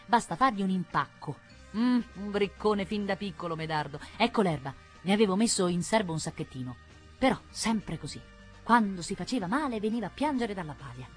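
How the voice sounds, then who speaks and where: A woman's voice: mid-range voice, fairly quick, faint music behind, pitched above the performer's own voice, natural voice. A woman reader voicing an old village nurse who fusses, scolds and chatters. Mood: chatty. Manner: fussing, scolding, lively.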